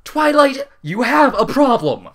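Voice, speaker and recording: A man's voice: very high-pitched, very animated, a little slow, a bit bright, voice pushed up, full character voice. A man voicing a prim female cartoon pony, dramatic and reproachful with an exasperated temper.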